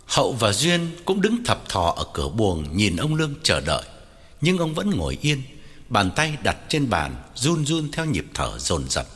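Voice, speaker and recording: Husky man narrating a story dramatically. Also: medium pitch, huge pitch swings, a little slow, fairly bright tone. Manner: dramatic, widely varied delivery. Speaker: audiobook narrator. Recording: long hall reverb, faint music.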